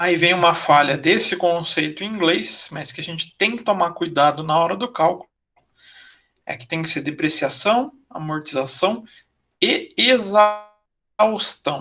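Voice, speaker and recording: Speaking at a fairly slow pace, a man with a high pitch and a bright, sharp tone shows ordinary pitch variation and big swings in loudness. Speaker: teacher. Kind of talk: lecture. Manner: casual, joking.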